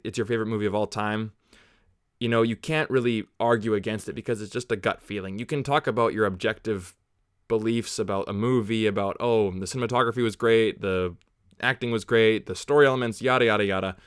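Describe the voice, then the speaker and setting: A man's voice: lowish voice, brisk, clear, resonant tone, dry recording, studio quality. A man from Canada hosting a casual movie watch-along livestream, chatting and rambling off on tangents while answering viewers.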